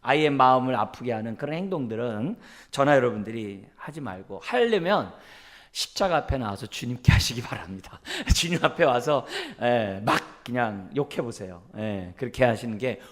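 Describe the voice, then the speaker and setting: Animated Korean pastor preaching, lively voice. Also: male voice, medium pitch. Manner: animated, acts out quoted parents and son; calls himself quick-tempered. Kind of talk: sermon. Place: church.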